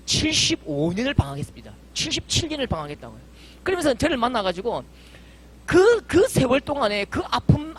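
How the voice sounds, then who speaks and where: Husky high-pitched fervent male pastor. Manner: fervent, emphatic preaching with vivid storytelling. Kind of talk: sermon.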